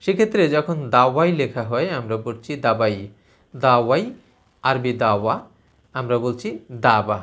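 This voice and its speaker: A man's voice: mid-range voice, moderate pace, fairly bright tone. A man giving a spoken lesson on spelling and pronunciation, explaining patiently and repeating sounds to contrast them. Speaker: language teacher.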